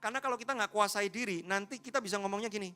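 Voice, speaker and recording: A man preaching to a church congregation, with a bright, forceful voice pitched a little high. He jokes, talks straight to his listeners and acts out the people he quotes. Soft music plays faintly behind him. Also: racing. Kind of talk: sermon. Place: church service.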